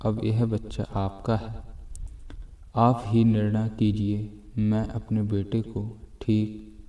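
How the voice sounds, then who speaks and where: Pleading, tearful mother, read by a man, low and flat, with a roomy echo. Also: slow pace, recorded from a distance. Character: desperate weeping mother pleading for her son.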